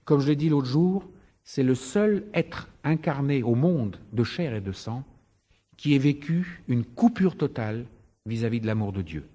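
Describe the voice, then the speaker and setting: A male Christian preacher with a soft-edged, mellow voice at medium pitch. He teaches from scripture emphatically, driving points home with rhetorical repetition. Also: lively intonation, measured pace.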